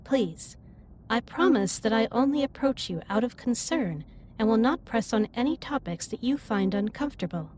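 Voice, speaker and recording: A woman performs a female alien starship captain with a fairly high voice. She speaks formally and precisely, with earnest care, in an intimate sci-fi audio drama. There is clear ambient noise behind her. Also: animated, a little mellow, natural voice. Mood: earnest, apologetic. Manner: formal, precise, stilted wording with measured delivery. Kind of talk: scripted roleplay audio drama, intimate one-sided dialogue.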